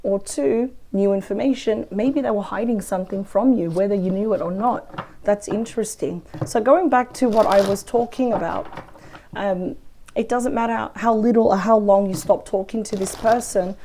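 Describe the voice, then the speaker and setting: A woman with a weak, croaky voice from a cold, chatting through a weekly tarot reading. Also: mid-range voice, normal speed, warm tone, a little hiss or hum. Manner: chatty, thinks aloud over the cards. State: hoarse from a cold. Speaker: tarot reader. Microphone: close microphone.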